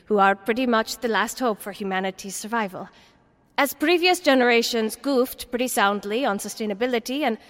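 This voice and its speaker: A woman doing a sardonic summit host, dry delivery, slightly high voice, long hall reverb, faint music. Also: fairly bright tone, lightly acted. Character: brisk female summit host, dry and sarcastic. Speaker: event host. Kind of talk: audio drama acting.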